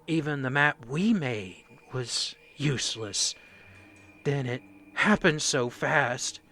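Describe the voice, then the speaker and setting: A man acts out a shaken male corporal in a radio play. He speaks very slowly, in fragments, as if haunted by what he recounts. The voice is mid-pitched with a forceful, bright edge. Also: a little hiss or hum. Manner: halting, haunted, fragmented delivery. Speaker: voice actor.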